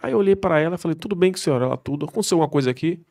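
A man, a military police soldier, telling slangy, animated stories on a podcast. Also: on the high side, very fast, creaky. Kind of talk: podcast storytelling.

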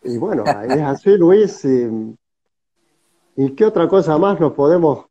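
A man's voice: on the high side, expressive, measured pace, warm tone, breathy edge. A man in his seventies with a Cordoba Argentine Spanish accent, telling stories casually as an interview guest on a video call. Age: 70s. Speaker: interview guest, theatre director. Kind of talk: casual storytelling conversation. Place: indoor room, video call. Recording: slightly muffled video-call audio.

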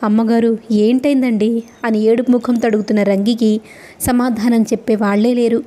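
Mellow-voiced woman reading a novel. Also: on the high side, level tone, fairly quick. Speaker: storyteller.

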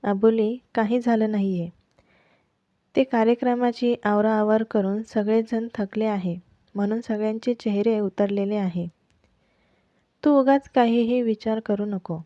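A woman doing a calm, evasive family woman. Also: on the high side, a little slow, no room sound, natural voice. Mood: reassuring. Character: calm woman of the family hiding bad news. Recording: dull lo-fi, dry close mic.

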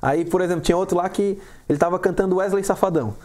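A man with a Brazilian Portuguese accent, a comedian guest on a talk show, telling stories in an animated way and acting out what people said. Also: high-pitched, fast talker. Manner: animated storytelling, acts out quotes. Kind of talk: casual talk show interview.

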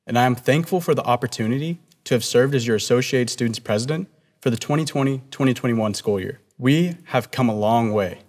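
Young man, student body president, earnest prepared speech, podium mic, echoing hall. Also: mid-range voice. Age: young adult. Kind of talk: commencement speech. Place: stage with podium and red curtains. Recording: long hall reverb.

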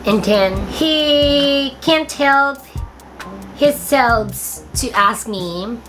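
Filipino accent girl, deep husky voice, slow and playful, talks thru her makeup w music under it. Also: expressive, a bit bright. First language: Tagalog. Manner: playful, bursts into song and laughter. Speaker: makeup vlogger. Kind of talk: comedic makeup tutorial. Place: bedroom, indoors.

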